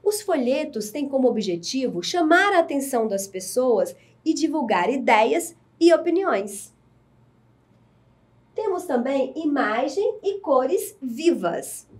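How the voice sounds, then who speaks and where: A woman teacher giving a recorded lesson to adult learners, explaining slowly and clearly. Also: high-pitched, sing-song, a little mellow. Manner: slow, clear, deliberate explaining.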